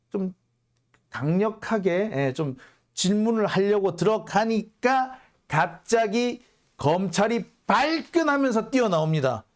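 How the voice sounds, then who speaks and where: A man's voice: high-pitched, darkish tone. A man hosting his own channel, giving an indignant news commentary monologue full of rhetorical questions. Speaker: journalist and channel host.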